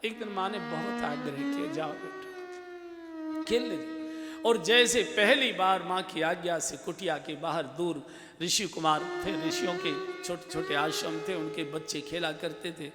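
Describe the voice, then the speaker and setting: A man's voice: high-pitched, animated, moderate pace. A man telling a devotional story in a sermon, with emotional, dramatic delivery. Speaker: preacher. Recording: echoey hall with music behind.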